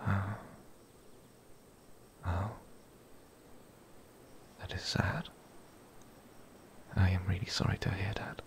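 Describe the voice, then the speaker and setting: Man acting a deep, whispering, gentle werewolf. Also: a little hiss or hum. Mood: sympathetic, tender. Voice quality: breathy whisper, low and creaky. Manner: hesitant, halting, soft-spoken. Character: lonely, gentle young male werewolf, curious and shy. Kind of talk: whispered ASMR roleplay.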